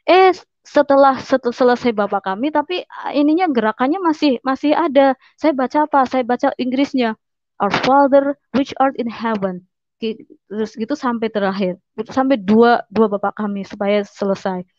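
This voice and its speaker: A woman with a fairly high voice tells her own story as a personal testimony. She speaks earnestly, stumbling and repeating words as she gathers her thoughts. The sound is dull and very dry. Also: moderate pace, darkish tone, no room sound. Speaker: convert giving testimony.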